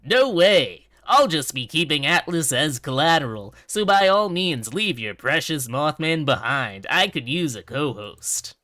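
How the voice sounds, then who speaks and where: A man's voice: fairly high pitch, big pitch swings, pushed and bright, no echo, clean studio sound, heavily acted. A man voicing a sinister undead game show host in a visual novel game, showy and gleefully menacing. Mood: smooth menace. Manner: showy, drawn-out presenter delivery. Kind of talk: theatrical game show hosting.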